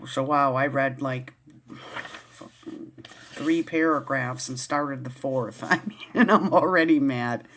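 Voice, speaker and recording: A woman's voice: a bass voice, takes it slowly, a bit bright, a little hiss or hum. Woman vlogger, casual read-aloud with riled, rambling asides. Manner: rambling, easily riled, many restarts. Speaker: vlogger reading a Christian book aloud. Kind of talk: casual reading and commentary.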